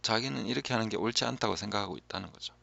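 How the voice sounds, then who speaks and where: A low, gravelly man's voice gives a calm, reflective Bible teaching as a pastor, often sinking to a hushed tone. The recording sounds dull and lo-fi. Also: very fast, no echo.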